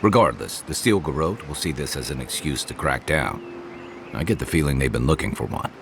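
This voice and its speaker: An actor playing an easygoing, wry adventurer companion in a video game, teasing and reflective. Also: male voice, extremely low pitch, expressive, fairly quick, a little hiss or hum. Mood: wry, concerned. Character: easygoing wry male adventurer companion, weathered but good-humoured. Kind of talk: naturalistic video game dialogue.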